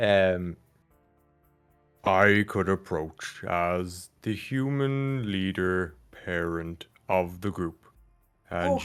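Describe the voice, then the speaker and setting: A man's put-on character voice, very deep and low, at a very slow pace with long, frequent pauses and faint music in the background. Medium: actual play. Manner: cautious, deliberate.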